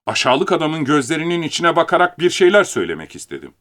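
A man reading a first-person story aloud as an audiobook, with animated, theatrical storytelling. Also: fairly high pitch, fast.

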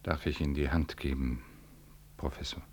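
An actor playing a solemn, courteous but unyielding Catholic priest in a 1960s radio play, speaking formally and deliberately with weighty pauses. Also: male voice, very deep voice, steady tone, a little hiss or hum. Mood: subdued, conciliatory.

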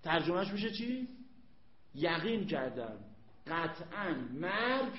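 A man's voice: high voice, very animated. A man teaching an Arabic grammar lesson, emphatic, repeating points and quizzing his students. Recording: echoey room, dull lo-fi sound.

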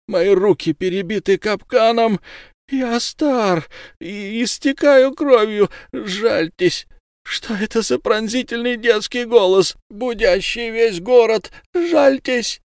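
A man voicing an old, wounded male werewolf who murdered a child, shrill and begging for mercy. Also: darkish tone, no echo, studio quality. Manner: shrill, pleading.

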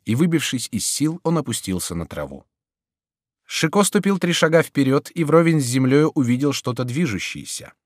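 A male audiobook narrator with a mid-pitched voice and lively intonation. He tells the story expressively. The studio recording is dry. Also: normal speed, no echo. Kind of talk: scripted narration.

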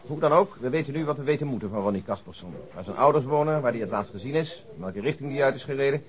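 An actor playing a dry, methodical police detective in a radio play, pedantic and deadpan. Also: male voice, medium pitch, fast talker, close to an everyday voice. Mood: matter-of-fact. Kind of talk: radio play acting in Dutch.

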